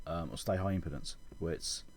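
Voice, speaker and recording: Low husky man explaining electronics. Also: huge pitch swings, fairly quick. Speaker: electronics repair channel host. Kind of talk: informal technical explanation of a diagram.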